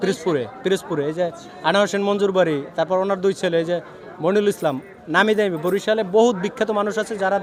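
Over crowd noise in the background, a man speaks in a high voice with ordinary pitch variation. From Barishal division, Bangladesh (Pirojpur). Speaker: street interviewer. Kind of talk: playful debate interview. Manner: animated.

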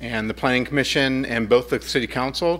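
Moving along at a fairly quick pace, this man's speech shows ordinary pitch variation. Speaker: city planning staff. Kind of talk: project presentation at public meeting. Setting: council chambers meeting. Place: hall.

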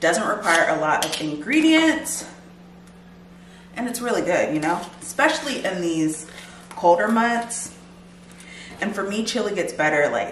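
There is audible room echo and light background noise as a woman speaks at a fairly slow pace with long, frequent pauses. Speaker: vlogger. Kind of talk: casual vlog chat. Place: kitchen. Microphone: camera far.

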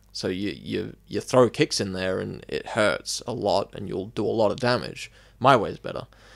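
A man's fairly low voice with vocal fry and an Australian accent, at a moderate pace with ordinary pitch variation. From Queensland, Australia. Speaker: martial artist. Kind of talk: casual chat.

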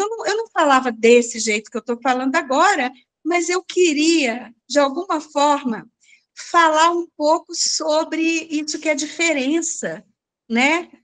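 Against a quiet background, a woman talks at a fairly slow pace. Her high-pitched voice has lively intonation. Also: big swings in loudness. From Belo Horizonte, Minas Gerais, Brazil. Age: 50s. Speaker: dancer and choreographer; interview guest. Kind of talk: interview. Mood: warm, animated, smiling. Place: home room. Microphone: video call.

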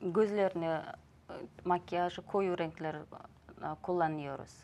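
Fairly low-pitched woman's voice with fairly even intonation over light background noise. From Kazakhstan. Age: 30s. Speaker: makeup artist and eyelash extension specialist. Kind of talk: TV interview. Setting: TV studio. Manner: halting. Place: studio.

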